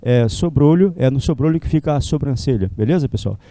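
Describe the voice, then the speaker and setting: Dark-voiced chatty male teacher. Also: medium pitch, animated, a little fast. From Brazil. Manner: chatty, keeps asking students tag questions. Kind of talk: classroom lecture. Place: classroom with a whiteboard.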